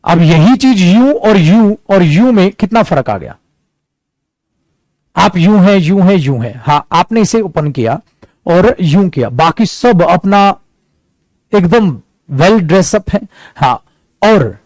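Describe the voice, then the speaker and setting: A man's voice: high voice, big pitch swings, slow, long pauses, darkish tone, no room sound. A man teaching an online English lesson in a chatty way, calling his students "beta" and acting out examples. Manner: acts out examples.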